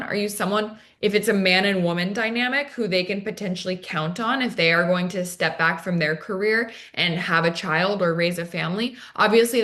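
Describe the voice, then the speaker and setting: Woman, medium pitch, interview guest, dating coach, conversational advice, articulate, explanatory, rhetorical questions. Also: a bit bright.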